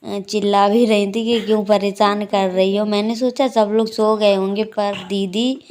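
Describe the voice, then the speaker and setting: This family vlogger is a young woman chatting at night in a dark room at home, laughing while she recounts the kids' antics into a phone on a tripod. Her voice is mid-range and darkish, level in tone and slightly slow.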